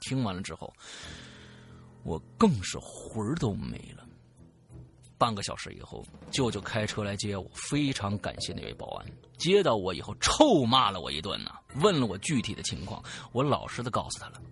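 A man hosting a talk show, retelling a listener's story in an animated way with casual swearing. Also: fairly low pitch, moderate pace, vocal fry, faint music behind. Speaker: host reading a listener's story.

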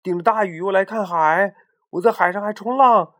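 A man voicing a young, frightened but eager little white hen in a bedtime storybook reading, with high excited cries. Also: slow pace, close to an everyday voice. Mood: pleading, anxious.

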